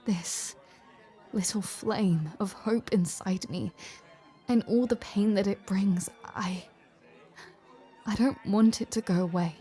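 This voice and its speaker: A woman playing an icy war general softened by love in an audio roleplay, speaking in a hesitant, breathy, confiding way, wistful and vulnerable. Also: mid-range voice, faint music behind, natural voice. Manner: hesitant, halting, breathy half-whispered confiding. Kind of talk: dramatic audio roleplay acting, intimate confiding dialogue.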